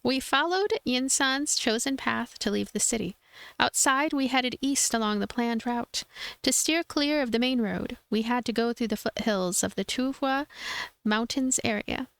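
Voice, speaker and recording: A woman's voice: a little high, measured pace, creaky, a bit bright, clean tone, no echo. A woman streaming a game, reading its narration aloud with informal, conversational commentary. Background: game music.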